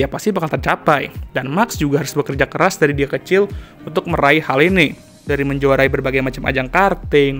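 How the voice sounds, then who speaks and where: Vlogger, male, slightly hoarse, quick and somewhat high, music bed underneath. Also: a bit bright. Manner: chatty, slangy Jakarta-style casual talk. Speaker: F1 commentary YouTuber. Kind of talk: casual vlog commentary. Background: background music.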